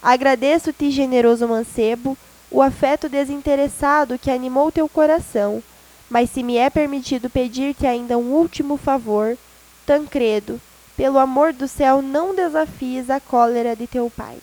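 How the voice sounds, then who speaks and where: A woman reads a melancholy young woman who speaks gravely but firmly, in a storybook reading. The voice stays high and light, close to the reader's own. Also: steady tone, normal speed, darkish tone, close to an everyday voice, poor audio.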